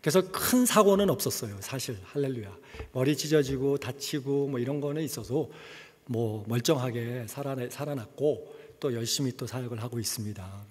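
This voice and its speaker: Middle-aged male missionary preacher, husky and chatty, reverberant sanctuary. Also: mid-range voice. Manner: conversational, mixes English words into speech. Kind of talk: sermon with personal testimony. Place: church sanctuary. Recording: long church reverb.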